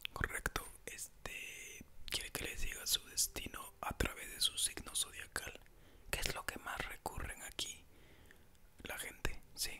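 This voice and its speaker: Someone whispers at a fairly slow pace. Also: man. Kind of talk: comedic roleplay, talking to imagined clients. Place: home room. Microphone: studio mic.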